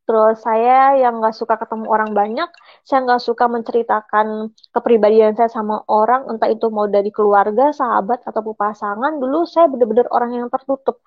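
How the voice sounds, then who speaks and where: A young woman shares her personal testimony, halting and emotional, pausing often with fillers. Her voice sits fairly high. The recording is dry and a little dull. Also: no room sound. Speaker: testimony giver.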